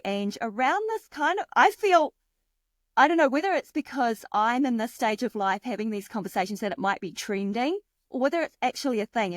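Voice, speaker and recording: A woman's voice: mid-range voice, dry recording. A middle-aged woman, hosting a podcast interview in a chatty, encouraging way. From New Zealand. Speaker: podcast host.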